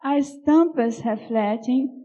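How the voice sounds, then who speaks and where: An older woman from Canada with a Northeastern Brazilian accent, calmly sharing her life story in church and reading a poem. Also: high voice, slow, muffled recording. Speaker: pastor's wife sharing testimony.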